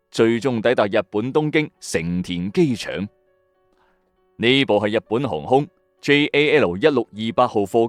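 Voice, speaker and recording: A man's voice: medium pitch, no echo. A man with a Hong Kong Cantonese accent narrating a scripted mystery story in a suspenseful, emphatic radio storytelling style. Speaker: storyteller host of a mystery show. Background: background music.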